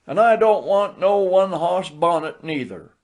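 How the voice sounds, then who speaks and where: A man's voice: high voice, expressive, normal speed, darkish tone, pitched above the performer's own voice. A man voicing a genial, tipsy old church elder from the rural American South, folksy and emphatic in a storybook reading. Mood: delighted. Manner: folksy, emphatic, dialect speech.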